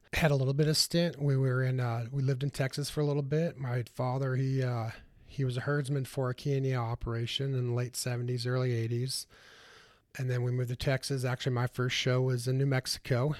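A man with a US Midwestern accent at a fairly quick pace, monotone and flat, on a very clean recording with a silent background. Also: medium pitch for a man. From Northeast Nebraska. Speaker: state fair livestock staff. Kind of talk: interview.

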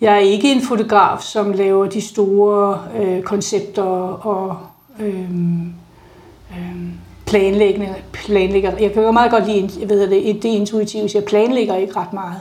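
A woman speaks very slowly at a medium pitch in a monotone, flat intonation, with audible room echo and noticeable background noise. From Copenhagen, Amager. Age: 60s. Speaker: art photographer. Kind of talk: interview conversation.

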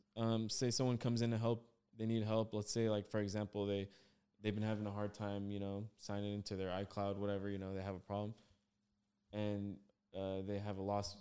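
Monotone and flat in intonation, a man with a dark, mellow tone and fairly low pitch speaks at a fairly quick pace. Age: 20s. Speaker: barber. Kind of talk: casual chat. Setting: barbershop.

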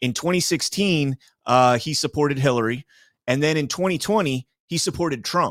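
In an unremarkable speaking voice, a man with a fairly high pitch and ordinary pitch variation speaks at a moderate pace on a very clean recording with a silent background and a dry, close sound with no echo. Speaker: podcast host. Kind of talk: casual chat.

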